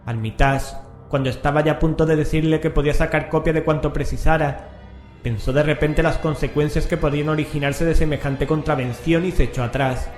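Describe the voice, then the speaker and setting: A man's voice: on the high side, steady tone, fairly quick, darkish tone. A man narrating a scripted horror story in a solemn, dramatic manner. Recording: echoing, music underneath.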